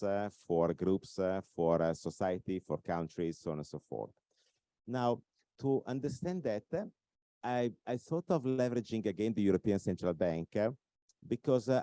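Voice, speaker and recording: A man with an Italian accent giving a conference talk, speaking in measured phrases with frequent fillers. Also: on the low side, mellow, no echo. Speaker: invited speaker.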